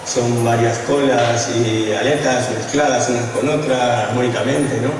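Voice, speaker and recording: A sculptor from Uruguay, answering interview questions in an enthusiastic, admiring way. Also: male voice, medium pitch, steady tone, a little slow. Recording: echoey distant recording, long reverb.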